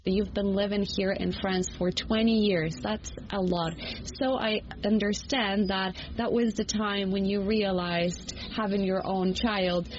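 A woman's voice: mid-range voice, fairly even intonation, unhurried. Female interviewer, conversational delivery, mid-range voice, faint noise behind. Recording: dull sound with faint background noise.

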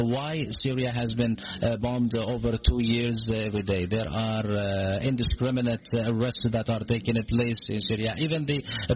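A man giving a live interpretation of a speech, halting, with many filler sounds between phrases, heard through a broadcast feed. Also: on the low side. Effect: live interpreter voice relayed in a broadcast. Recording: muffled lo-fi broadcast feed with steady noise.

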